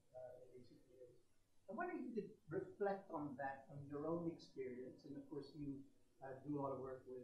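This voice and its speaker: At a moderate pace, a somewhat breathy voice comes through with audible room echo. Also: man. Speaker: event moderator. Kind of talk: event moderation. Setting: stage with audience. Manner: halting. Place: hall.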